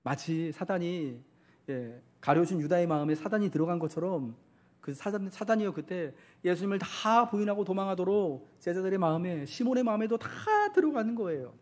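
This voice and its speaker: A man's voice: sits high, animated, brisk, a little mellow. A man preaching a Sunday sermon as pastor, asking the congregation questions and acting out quotes.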